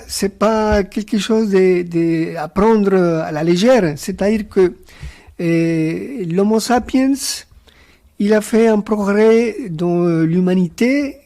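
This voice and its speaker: A man whose first language is Spanish, speaking on a round-table panel as a guest author, thoughtful and hesitant with many pauses and fillers. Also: sits high, mellow. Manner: reflective, philosophical.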